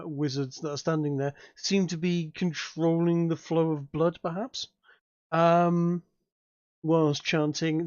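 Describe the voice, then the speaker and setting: Halting male game master, dry dull sound. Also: on the high side, darkish tone, clean tone, no echo. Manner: halting, repeats words. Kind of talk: improvised tabletop game narration.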